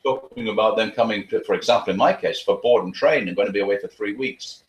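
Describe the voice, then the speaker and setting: A man giving earnest advice as a dog trainer in an interview, talking quickly with frequent restarts. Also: on the low side, echoey room, low-quality recording.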